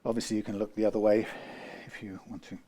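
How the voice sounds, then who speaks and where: A UK man with a low, dark voice talks fast in a level tone as he narrates a guitar repair in his workshop. His how-to is rambling, with self-corrections and dry asides.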